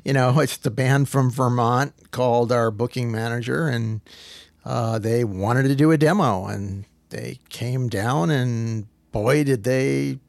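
A man's voice: medium pitch, measured pace, vocal fry, darkish tone, no room sound. A middle-aged man from the Boston area, a guest speaking casually in an easygoing, rambling way with restarts. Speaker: guest, former studio engineer. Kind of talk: casual interview chat.

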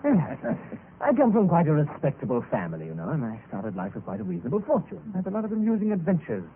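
Quick-talking, world-weary young toff on a tinny old radio broadcast. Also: male voice, on the high side, huge pitch swings, a little hiss or hum. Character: reckless ruined young gentleman, jaunty and world-weary. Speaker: actor in radio drama. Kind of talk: 1940s radio acting.

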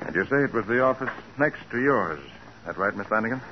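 A man playing a shrewd, brisk private detective in 1940s radio crime drama style, with a commanding, clipped delivery. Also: on the low side, expressive, lightly acted. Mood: brisk, insistent. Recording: muffled, noisy 1940s radio recording.

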